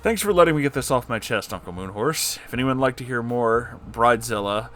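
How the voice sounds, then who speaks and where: Over faint background music, a man with a medium, somewhat bright voice and lively intonation reads stories sent in by listeners at a brisk pace. He reacts with blunt, emphatic, sweary commentary that stays candid and casual.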